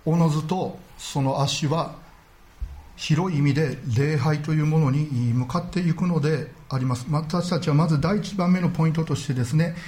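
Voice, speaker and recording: A man preaching a sermon as pastor, earnest and measured, often padding his sentences with small filler words. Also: fairly high pitch, darkish tone.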